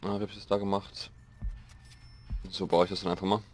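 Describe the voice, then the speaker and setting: Slightly hoarse young man, low voice. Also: level tone, a little fast, darkish tone, a little hiss or hum. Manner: rambling, self-mocking, thinking aloud. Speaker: let's play host. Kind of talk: casual gameplay commentary.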